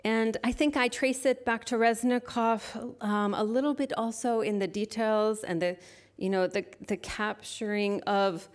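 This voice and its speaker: A middle-aged woman poet and lecturer, introducing her work haltingly before a slow, measured reading of her poems into a stage microphone. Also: fairly high pitch, fairly even intonation. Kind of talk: poetry reading with spoken introduction. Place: stage at a literary venue.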